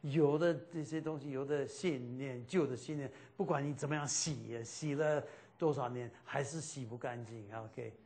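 A man's voice: mid-range voice, moderate pace, hardly any pauses, warm tone. A man teaching a Christian class, speaking in a loose, repetitive way and dropping in English fillers like "OK".

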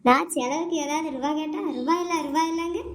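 A woman plays a nagging village mother-in-law, scolding in a high, rapid voice. She fires off question after question at her son and daughter-in-law in this cartoon comedy, always hectoring. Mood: outraged.

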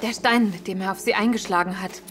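A woman's voice: mid-range voice, fairly even intonation, quick pace, fairly bright tone, slight background noise, lightly acted. A woman playing an urgent, commanding police officer in an audio drama. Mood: calming. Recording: music behind the voice.

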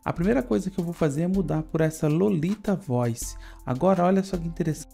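A Brazilian-accented man presents a casual software walkthrough in a mellow, dark-toned voice. He is on a USB microphone, with music underneath. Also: on the high side, fairly quick, creaky. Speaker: tutorial presenter. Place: studio indoors.

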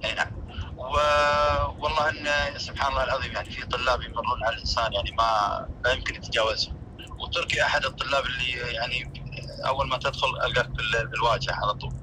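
A man, a former teacher on a phone call, speaking slowly and measured with many hesitations. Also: mid-range voice, fairly even intonation, noisy background. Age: 50s.

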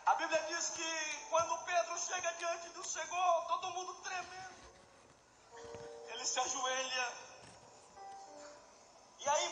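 Man, pastor, fervent sermon, very high voice, echoey church. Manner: fervent, swells into shouting. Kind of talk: impassioned sermon. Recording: echoey hall with music.

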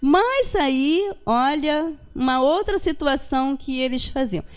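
At a Spiritist centre's meeting hall with a projection screen, a woman from Rio in Brazil gives a reflective religious talk in a relaxed style. Her high voice is expressive and slow, sprinkled with checking tags.

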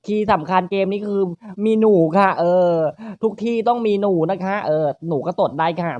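A gaming host talks through a puzzle game with crude, teasing jokes and quick banter. The voice sits in an ordinary middle register. It is recorded close and dry on a slightly muffled home mic. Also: darkish tone, no echo. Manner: crude, teasing, rapid banter with frequent high laughs. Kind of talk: playful let's-play commentary.

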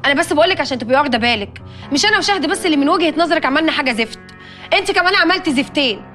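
A woman's voice: sits high, lively intonation, rapid-fire, fairly bright tone, faint music behind. Sarcastic Egyptian woman. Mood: defiant. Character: sharp-tongued young woman, defiant and mocking. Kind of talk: TV drama acting.

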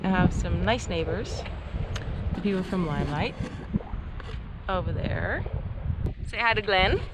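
A woman in her thirties vlogging casually from her sailboat deck, camera held at arm's length, chatty and quick to laugh. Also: on the low side. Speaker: sailing vlogger. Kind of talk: casual vlog narration. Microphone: handheld camera at arm's length. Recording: wind noise, slightly dull sound.

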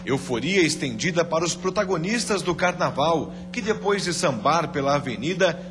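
A man reading a short news piece as a voice-over, in a voice pitched high for a man. Clear music plays underneath him. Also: animated, normal speed. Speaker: reporter.

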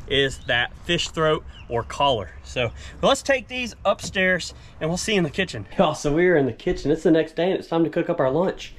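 Through noisy action-camera audio recorded outdoors and in a kitchen, a man who vlogs about fishing and cooking talks through every step of his work. His voice is a little high, with a fairly bright tone.

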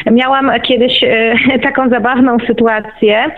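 A woman's voice: fairly high pitch, fairly even intonation, measured pace. Woman on a tinny phone-like line. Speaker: interview guest, writer and lecturer. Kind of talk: explanatory radio conversation.

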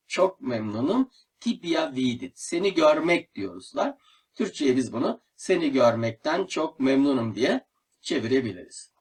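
A man teaching a language lesson, slowly repeating each word and then translating it, often calling his listeners friends. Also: medium pitch, breathy edge, distant mic. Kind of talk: slow, deliberate lesson narration.

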